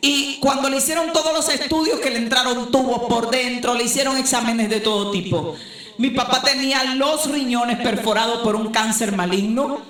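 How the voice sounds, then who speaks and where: An older woman pastor preaching a sermon, swinging between loud emphatic outbursts and low, slow, deliberate phrases. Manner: emphatic preaching, rising to shouts then dropping low. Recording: echoey room.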